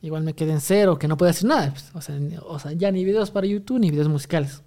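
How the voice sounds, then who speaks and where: Fast-talking young man, gravelly. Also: a little high, dark tone. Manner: rambling storytelling with many restarts and fillers. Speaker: guest telling a story. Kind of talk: casual podcast chat.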